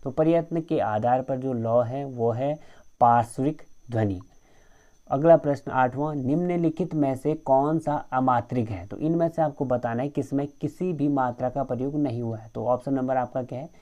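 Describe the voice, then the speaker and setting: A man's voice: medium pitch, normal speed, mellow, lo-fi sound. A man teaching an exam-prep grammar lecture, explaining step by step and often addressing viewers as friends.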